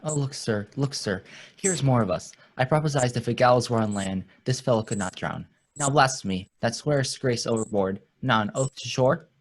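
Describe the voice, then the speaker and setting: A man with a husky voice playing a pious, wordy royal counsellor in a Shakespeare radio play. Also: medium pitch, moderate pace, close to an everyday voice. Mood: teasing.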